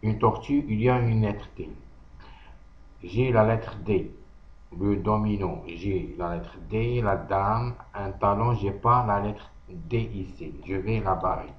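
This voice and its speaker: Enseignant masculin à l'algérien, débit très lent et posé, son lo-fi avec écho. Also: male voice, fairly low pitch. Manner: slow, deliberate, thinking aloud with pauses. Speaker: teacher. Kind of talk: slow worksheet walkthrough. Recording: echoey room, dull lo-fi audio.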